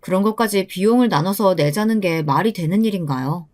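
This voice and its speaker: A woman in her twenties narrates her own story in a scripted, first-person way. Her voice sits in a middle pitch. She sounds confiding and a little lamenting. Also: expressive, a little fast, a little mellow. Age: 20s.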